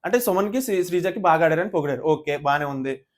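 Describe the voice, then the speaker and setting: Brief: high-pitched man, rapid indignant show-review rant. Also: lively intonation. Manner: indignant, rhetorical questions, fast ranting. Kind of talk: heated casual commentary.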